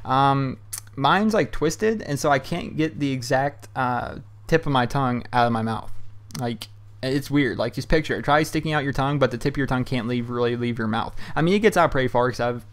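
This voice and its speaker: A young man in his bedroom chats through viewer questions at a quick clip, words tumbling out. His delivery is loose and rambling, full of um, uh and you know. His pitch sits in an ordinary middle range. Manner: loose and chatty, heavy on fillers like um and you know. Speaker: YouTube host answering viewer questions. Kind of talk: casual rambling commentary. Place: his hot bedroom at home.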